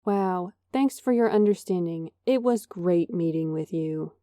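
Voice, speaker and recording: An actress playing a guarded perfectionist young office worker in an audio drama, measured, articulate and earnest. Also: female voice, fairly low pitch, mellow, a little hiss or hum, lightly acted. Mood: frustrated.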